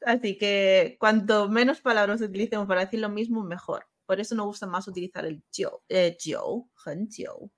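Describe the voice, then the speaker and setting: A woman who teaches Chinese and speaks it as her first language, explaining words in Spanish with patience. She walks through the characters step by step. Her voice sits at a mid pitch. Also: fairly even intonation, normal speed, hardly any pauses. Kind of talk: explaining grammar in a casual lesson.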